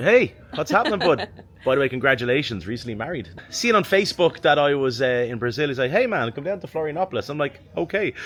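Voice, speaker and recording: A man in a North Dublin accent at a fairly high pitch, with very wide pitch swings, a very fast pace and music in the background. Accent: North Dublin Irish. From Ireland. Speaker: history vlogger. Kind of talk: casual conversational vlog.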